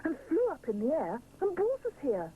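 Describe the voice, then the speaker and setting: An excitable young boy bear from a storybook, voiced by a woman, high and eager with a pitch that leaps about. The recording carries steady hiss. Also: normal speed, phone-quality sound. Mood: excited.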